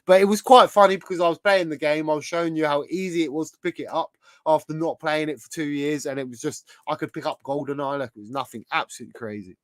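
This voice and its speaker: Male streamer, hoarse from a sore throat, slightly high voice, dry close sound, rambling host chatter. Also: steady tone, quick pace, hardly any pauses, dry recording. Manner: chatty, rambling, thinks aloud while browsing. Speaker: livestream host. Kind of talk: casual livestream chat.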